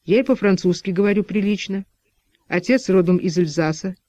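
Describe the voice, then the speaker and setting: A man's voice: high-pitched, brisk, a little mellow, dry recording, lightly acted. A man voicing a reserved, weary middle-aged doctor who gives curt, guarded replies.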